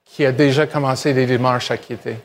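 A man's voice: mid-range voice, steady tone, fairly quick, slight background noise. A man answering as a paramedic representative, hesitant and mixing in English terms. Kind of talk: radio interview answers.

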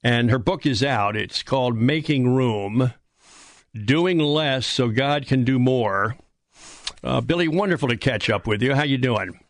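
A man's voice: medium pitch, unhurried, no echo, clean studio sound. A man hosting an AM radio talk show, introducing and questioning guests. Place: radio studio.

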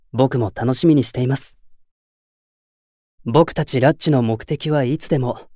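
A man acting a composed, earnest young idol leader in an audio drama, speaking in polite, measured formal phrases. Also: a little high, dark tone, dry recording, studio quality, lightly acted.

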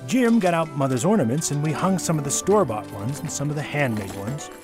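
Male storyteller giving a measured dramatic reading over music. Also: fairly high pitch, animated. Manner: measured, with deliberate pauses and emphasis. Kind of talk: dramatic reading of a nostalgic memoir.

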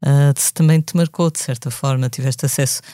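A male podcast host with a mellow, dark-toned mid-range voice, close and dry on a studio mic. He shapes his questions as he goes, pausing and rephrasing. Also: mid-range voice, fairly even intonation, no echo. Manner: hesitant, searching questions. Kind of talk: podcast interview.

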